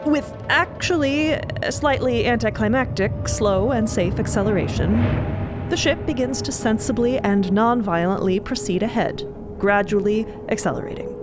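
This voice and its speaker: A woman's voice: fairly high pitch, normal speed. A woman narrating a scripted, playful audio drama as one of its storytellers. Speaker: narrator and voice actor. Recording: music behind.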